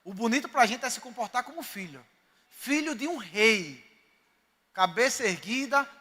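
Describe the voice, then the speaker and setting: This Northeastern Brazilian pastor's voice sits high, sounding pushed and bright as he preaches a sermon and emphatically recounts stories. The recording carries the reverb of the church sanctuary.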